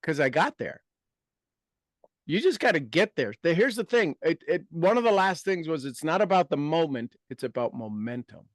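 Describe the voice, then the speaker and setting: A man's voice: a little high, sing-song, normal speed, dry recording, clean studio sound. A man in his fifties hosting a motivational group talk, emphatic and repeating his key phrases. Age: 50s. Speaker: host and coach.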